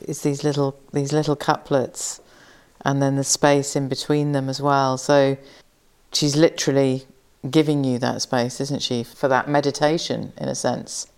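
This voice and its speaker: A woman interviewing in a reflective literary conversation, gentle and tentative, softening her points with tag questions. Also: a bass voice, little pitch movement, a little slow, clear, resonant tone. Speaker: podcast interviewer. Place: in-person conversation at an institute.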